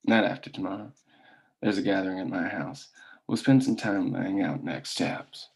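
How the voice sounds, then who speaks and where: Male villain boss, acted at a table read: lowish voice, calculating, commanding, terse. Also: normal speed, vocal fry, a little mellow. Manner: commanding, clipped, scheming. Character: cold, calculating boss of company strongmen. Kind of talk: dramatic script table read.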